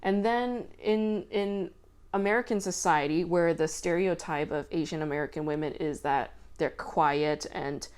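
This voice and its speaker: Loud, chatty woman with a lowish voice. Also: unhurried. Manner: chatty, filler-heavy with frequent "like" and swearing. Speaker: podcast host. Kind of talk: casual commentary monologue.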